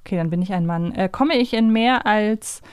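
A woman's voice: mid-range voice, normal speed, clear, resonant tone, dry recording. Female podcast host, mid-range voice, casual quiz banter, close dry recording.

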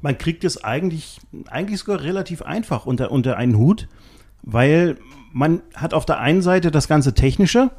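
A man, a guest engineer, giving a measured explanation in an interview. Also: a little high, expressive, a little mellow, husky. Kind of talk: conversational interview answers.

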